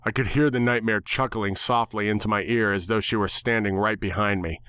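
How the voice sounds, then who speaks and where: A man's voice: on the low side, bright, forceful tone, clear, resonant tone, no room sound. Man dramatically narrating, dry sound. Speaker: narrator of fan fiction. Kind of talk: dramatic story reading, first-person narration.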